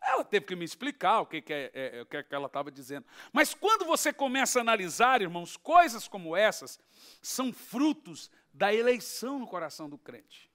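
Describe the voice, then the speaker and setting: A Brazilian man preaching a sermon in a high, bright voice that swings widely in pitch. He drives his points with rising shouts and keeps putting questions to the congregation. His tone stays sharp and forceful. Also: big pitch swings, fairly quick. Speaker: pastor. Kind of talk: expository sermon.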